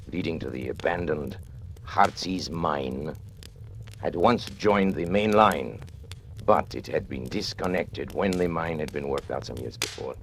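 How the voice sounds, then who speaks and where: Scheming criminal mastermind for a vintage radio drama, very deep gravelly voice, grand and measured. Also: male voice, a little hiss or hum, exaggerated voice. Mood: tense. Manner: grandiose, measured villainous narration. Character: cold scheming male master criminal narrator. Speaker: first-person narrator. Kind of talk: 1940s radio acting.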